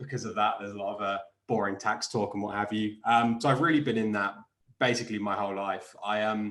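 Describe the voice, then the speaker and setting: A man with an English accent, fairly low-pitched and fairly even in intonation, at a very fast pace. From England, Brighton. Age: 20s. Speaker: mental health advocate and blogger. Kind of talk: interview.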